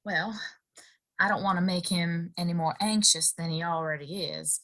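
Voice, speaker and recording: A woman's voice: lowish voice, steady tone, moderate pace, a bit bright. A woman playing a sweet, earnest, modest young woman of the frontier in a western audio play. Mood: gentle, concerned.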